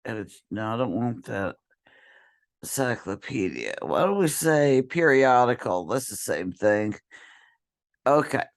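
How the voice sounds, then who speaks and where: Brief: hoarse woman, voice half gone, slow unhurried screen-share tutorial, throat clearing, computer mic. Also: very deep voice, big pitch swings. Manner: slow, halting, clears throat often, apologetic. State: losing her voice, hoarse and whispery. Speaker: college librarian or instructor.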